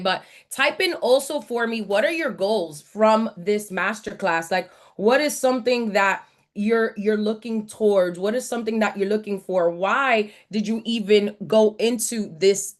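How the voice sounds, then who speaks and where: A woman's voice: mid-range voice, fairly bright tone. A woman from the Dominican Republic and the US East Coast presents a live online masterclass as a brand coach, in an emphatic, motivational manner that repeats phrases for weight. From born in the Dominican Republic, grew up in New York City and South Florida.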